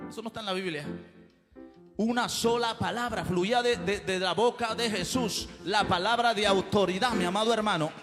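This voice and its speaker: A male pastor preaches fervently in a church hall, punctuating his points with exclamations. His voice sits very high and carries a long reverb through the hall. Music plays clearly underneath. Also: moderate pace. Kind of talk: sermon.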